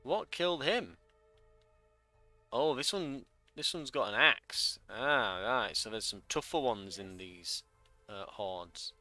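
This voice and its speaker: A man's voice: medium pitch, expressive, takes it slowly, bright, forceful tone, no room sound, soft background music. A man giving casual let's play commentary, thinking aloud in a wry way.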